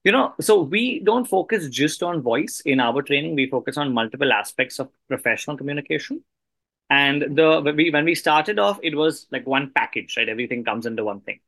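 A man's voice: a little high, expressive, a little fast, vocal fry, fairly bright tone, no room sound. A man hosting a casual interview, talking in an agreeable, explanatory way. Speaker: podcast host, interviewer.

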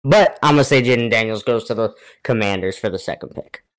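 A man's voice: lowish voice, a little fast, fairly bright tone. A man co-hosting remotely, giving casual sports analysis in a conversational way. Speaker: podcast co-host. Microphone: remote connection.

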